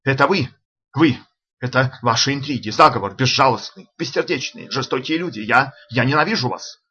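A man voicing an agitated, hot-tempered male professor in an audiobook, shouting indignant outbursts. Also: mid-range voice, lively intonation, a little fast, husky. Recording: dull lo-fi audiobook recording.

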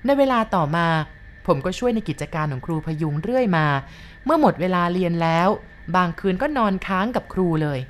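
ผู้หญิงเสียงค่อนต่ำ อ่านนิยาย. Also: female voice, on the low side, lively intonation, a little fast, a little hiss or hum. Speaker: storyteller. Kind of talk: reading a first-person story aloud.

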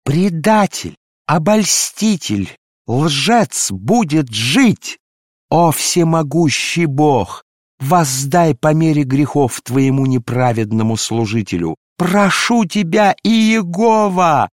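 A man's voice: mid-range voice, mellow, no echo, clean studio sound, natural voice. A man reading aloud and voicing a dying young woman who rises into frenzied, wailing curses. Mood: frenzied cursing. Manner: wailing, cursing, drawn-out.

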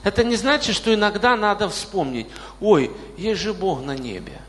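A man's voice: high-pitched, animated, moderate pace, a bit bright. A man in his late forties preaching a sermon in a church, often putting questions straight to the congregation. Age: 40s. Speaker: pastor. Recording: reverberant hall.

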